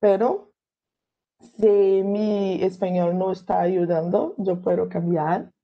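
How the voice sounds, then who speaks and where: A woman's voice: mid-range voice, slow pace, lo-fi sound. A Brazilian woman whose first language is Portuguese, giving an academic lecture in Spanish and searching carefully for her words. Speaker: guest lecturer.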